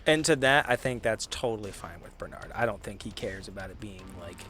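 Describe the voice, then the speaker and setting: A man with a lowish voice plays a tabletop roleplaying game. He improvises casually, laid-back and slangy, while music plays behind him. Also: lively intonation, fairly quick.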